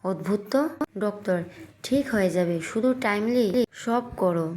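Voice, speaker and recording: A woman reads a romantic audio story aloud, voicing every character herself. She names each speaker before their lines and keeps to her own everyday voice at a middle pitch. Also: a little slow, a little mellow. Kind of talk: scripted story reading with character dialogue.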